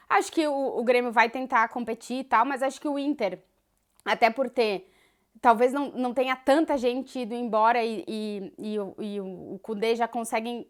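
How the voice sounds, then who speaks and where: A woman in her thirties with a Gaúcho Brazilian accent, a sports journalist chatting casually as she answers viewer questions, dotting her talk with fillers. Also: fairly high pitch. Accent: Gaúcho Brazilian Portuguese. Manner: chatty and thoughtful, many fillers like "né" and "assim". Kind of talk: casual Q&A vlog.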